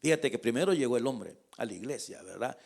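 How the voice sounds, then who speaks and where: A man preaching a lively, conversational sermon as pastor. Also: medium pitch, brisk, vocal fry, slightly rough.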